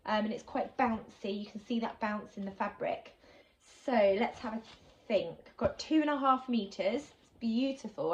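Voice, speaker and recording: A woman talks in a chatty, enthusiastic way, full of little ums, with a bit of a sniffly cold in her voice. Her voice sits a little high. The recording sounds slightly dull and lo-fi. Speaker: sewing vlogger. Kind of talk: casual unboxing chat.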